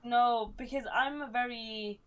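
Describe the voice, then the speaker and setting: A woman chatting casually on a podcast, talkative and quick to laugh. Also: a little high, fairly even intonation. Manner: chatty, laughs easily, self-conscious. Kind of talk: casual chat.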